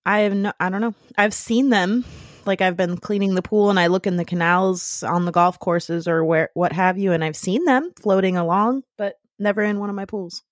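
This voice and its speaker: A woman's voice: mid-range voice, steady tone, moderate pace, no room sound, clean studio sound. A woman with a Midwestern American accent chatting casually and playfully as a podcast co-host. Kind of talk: casual chat.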